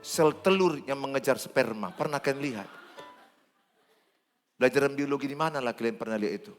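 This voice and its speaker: A man, preaching a sermon in church in an animated, joking way. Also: mid-range voice, brisk, faint music behind. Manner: animated, joking, acts out dialogue. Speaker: pastor.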